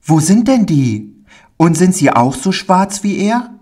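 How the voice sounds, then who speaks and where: A man voicing a shy, timid little boy in a storybook reading, with a high, pleading tinged voice. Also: very animated, slow, a little mellow, full character voice. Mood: anxious, eager.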